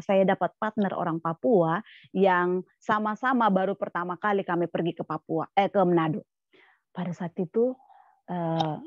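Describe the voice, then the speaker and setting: A woman's voice: medium pitch, a little mellow, no echo, lo-fi sound. A woman, a guest speaker at a church service, telling a personal story in a plain, repetitive way, often restarting phrases and quoting others. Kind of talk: testimony sermon, storytelling.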